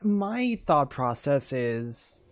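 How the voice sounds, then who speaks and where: A game streamer giving casual commentary, halting and repeating words while thinking aloud. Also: medium pitch, big pitch swings.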